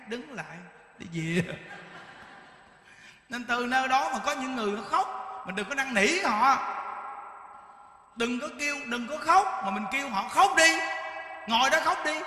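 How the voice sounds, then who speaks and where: A man's voice: very high voice, echoey room, long reverb tail. A man giving a Buddhist dharma talk, telling stories animatedly and asking rhetorical questions. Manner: animated storytelling, acts out dialogue, rhetorical questions. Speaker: Buddhist monk teacher.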